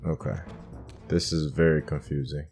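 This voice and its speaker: A gaming host narrates a playthrough, musing to himself and thinking aloud in casual commentary as he plays. His bass voice is darkish, fairly even in intonation and moderately paced, over soft background music.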